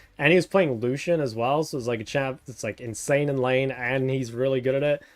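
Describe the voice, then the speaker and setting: Music plays in the background. A man with an American accent talks at a fairly quick pace. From New Zealand. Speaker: streamer and pro gamer. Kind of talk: live stream chat answering viewer questions. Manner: casual, filler-heavy.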